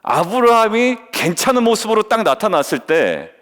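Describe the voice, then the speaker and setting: A man's voice: high-pitched, very animated, moderate pace, fairly bright tone. A male pastor preaching an early-morning devotional sermon, often questioning his congregation and acting out the voices he quotes. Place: church sanctuary. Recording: long reverb of a church hall.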